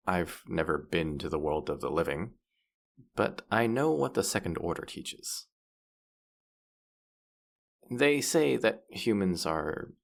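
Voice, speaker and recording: Low, creaky, boastful demon guide acted by a man. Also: exaggerated voice. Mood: defensive, disdainful. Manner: playful, smug, mock-offended, hesitating mid-thought. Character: boastful, teasing male demon guide of the afterlife. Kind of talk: scripted character audio roleplay addressed to the listener.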